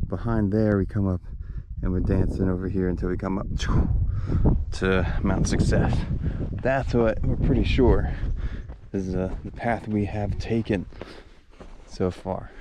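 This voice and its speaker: Over loud background noise, a man speaks at a fairly slow pace with long, frequent pauses and ordinary pitch variation, the sound dry with no echo. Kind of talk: casual vlog chat. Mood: relaxed, enthusiastic. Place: open country. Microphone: phone near.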